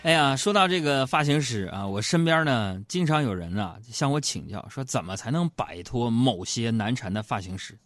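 A man hosting a radio show, telling self-mocking comic stories in an animated way, recorded in a studio. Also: medium pitch, moderate pace, hardly any pauses. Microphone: studio microphone.

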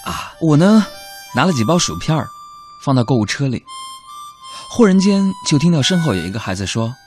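A man's voice: fairly high pitch, sing-song, a little fast, darkish tone, faint music behind. A man hosting a show, telling comic stories about his family in a chatty, joking, mock-grumbling way. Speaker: comedy show host. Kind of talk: comic storytelling monologue.

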